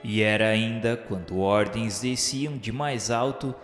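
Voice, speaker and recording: A man's voice: on the low side, steady tone, a little slow, natural voice. A Brazilian man playing a remorseful male spirit who narrates a radio novela in solemn, formal, literary diction. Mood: solemn, reverent. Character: remorseful male spirit of a suicide recalling the afterlife. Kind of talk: dramatized first-person narration of a radio novela. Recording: echoey hall reverb with music.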